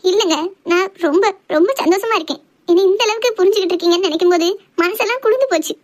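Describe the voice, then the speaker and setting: A woman's voice: extremely high pitch, racing. A woman playing a sweet, easily wounded young girl in love in a cartoon drama, with a southern Tamil Nadu accent. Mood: wounded, bitter.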